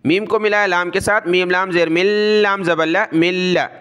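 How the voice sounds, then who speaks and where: Man, Quran recitation teacher, South Asian Urdu accent, bright high voice, drawn-out letter-by-letter reading. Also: fairly even intonation, clear, resonant tone. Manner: slow drawn-out recitation, quick explanations between.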